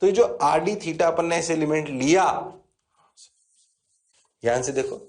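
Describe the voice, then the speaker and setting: Indian-accented male teacher, lecture in a classroom, plays both sides of the dialogue, a bit high-pitched. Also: measured pace, a little mellow. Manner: talks to students, answers himself in their voice; repeats key phrases, mixes English terms in. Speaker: physics teacher.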